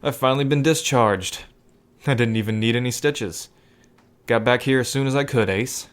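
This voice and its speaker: A man's voice: medium pitch, moderate pace, close to an everyday voice. A man playing a devoted, playful ally in a romantic audio drama, with an affectionate, casual and teasing manner. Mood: playful, flirty. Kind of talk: scripted romantic audio roleplay spoken to the listener.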